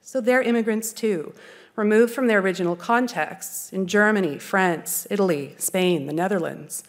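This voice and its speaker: Earnest Canadian woman lecturing on art. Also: mid-range voice. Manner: measured, articulate, earnest. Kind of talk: formal lecture. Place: dark stage, indoors.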